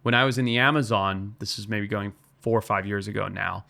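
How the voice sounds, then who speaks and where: A man's voice: fairly low pitch, fairly even intonation, a little fast, vocal fry, bright, forceful tone. A man from Zimbabwe, a wildlife biologist guest, explaining and telling stories in an earnest podcast talk.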